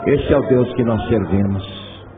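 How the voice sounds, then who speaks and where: A man's voice: fairly low pitch, a little slow. A man with a Brazilian Portuguese accent, a pastor preaching a sermon in a church hall, telling stories with animation and building to fervent appeals. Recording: tinny lo-fi church recording with long reverb.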